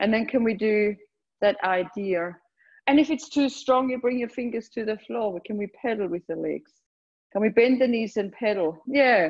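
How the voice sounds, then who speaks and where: A woman speaks at a moderate speed, her pitch varying in an ordinary way, with little noise behind her. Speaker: yoga teacher. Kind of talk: class instruction. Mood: warm, playful, laughing. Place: home room.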